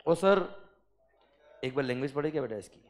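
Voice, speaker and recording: A man with an Indian accent lecturing students in a classroom, mixing Hindi and English. He reads legal text slowly word by word and keeps asking the class whether it is clear. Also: medium pitch, animated. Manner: calls students "beta" and "sir". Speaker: GST teacher.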